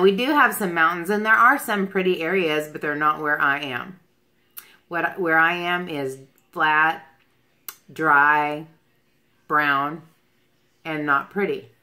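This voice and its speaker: This beauty livestream host is a woman in her forties whose low-pitched voice still sounds bright. Sitting indoors in a small furnished room at home, she chats casually through viewer questions, wandering between topics as she goes.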